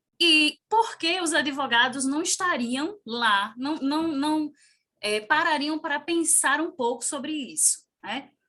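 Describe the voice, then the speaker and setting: A woman's high, bright, sharp, raised and projected voice at a very slow pace against a quiet background. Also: ordinary pitch variation. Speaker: webinar panelist on law and technology. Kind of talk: webinar presentation. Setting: video call.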